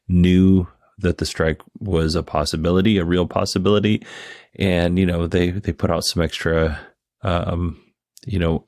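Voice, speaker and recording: A man with a distinctly low voice talks casually as a commentator, close and dry in the recording. He explains things conversationally and shares his opinions freely. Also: darkish tone, no echo. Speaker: host commentator. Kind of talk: casual commentary on a company earnings call.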